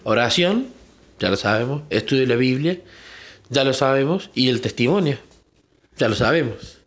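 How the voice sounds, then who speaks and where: A man giving an earnest, reflective personal faith testimony, sometimes pausing to search for words. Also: mid-range voice, expressive. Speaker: church member giving testimony.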